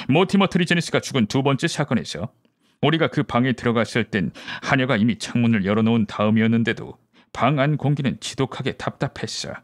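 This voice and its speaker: A man performs a brisk male detective from an audiobook mystery. He lays out deductions methodically and gives orders with assurance. The voice sits at a medium pitch in a dry, close sound. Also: no room sound, lightly acted. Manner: deductive, explanatory, commanding. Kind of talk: audiobook character dialogue.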